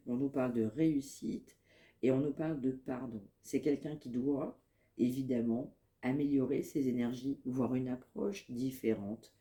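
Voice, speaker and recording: A woman with a head cold giving a spoken psychic reading to her viewers, in calm, measured, repetitive phrasing. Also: a bass voice. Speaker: medium giving a card reading.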